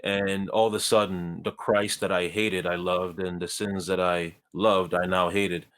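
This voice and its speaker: As a guest in a conversation, a Ghanaian man recounts his life story earnestly and in measured fashion, with a touch of self-deprecating humor. His voice is low-pitched and a bit bright, and his delivery is flat.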